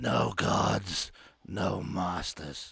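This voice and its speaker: A man's put-on character voice, growling, raspy and guttural, with a very deep, low pitch. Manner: growling, guttural.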